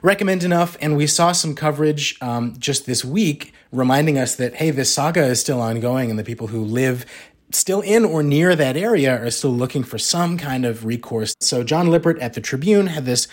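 A man's voice: medium pitch, moderate pace. Casual man hosting a news podcast. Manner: conversational, frequent ums and asides. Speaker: podcast co-host.

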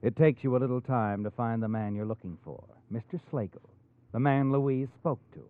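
An actor playing a sly, taunting all-knowing narrator in a 1940s radio mystery, addressing the character as you. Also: male voice, mid-range voice, normal speed, smooth, dry recording, close to an everyday voice. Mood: suspenseful. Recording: tinny old radio recording, music behind.

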